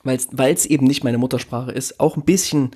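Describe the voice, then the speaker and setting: A man's voice: medium pitch, steady tone, moderate pace, mellow, husky. A man hosting a casual podcast, talking in his native German in a reflective, rambling way with restarts and fillers. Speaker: podcast host.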